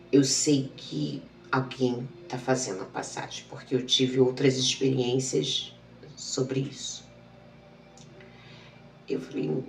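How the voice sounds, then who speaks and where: A woman's voice: extremely low pitch, creaky, reverberant, far from the mic, slight background noise. A woman, telling a personal story and acting out the dialogue. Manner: emotional, repetitive retelling with quoted dialogue. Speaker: channel host.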